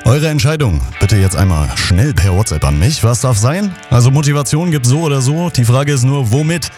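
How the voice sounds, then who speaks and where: Man, hoarse, radio host, casual chatty moderation, music bed. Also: medium pitch, a little fast. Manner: chatty, lively, addresses listeners directly. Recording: over loud background music.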